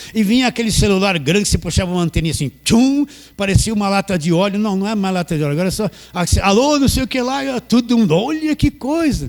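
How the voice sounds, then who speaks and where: Talking at a very fast pace, a man uses lively intonation and an animated tone. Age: 60s. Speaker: pastor. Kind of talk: sermon. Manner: conversational, animated.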